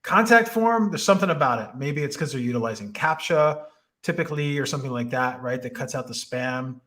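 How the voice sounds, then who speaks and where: A man's voice: medium pitch, expressive, fairly quick, fairly bright tone. Easygoing male podcast host. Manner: conversational, many fillers and restarts. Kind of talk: casual interview chat.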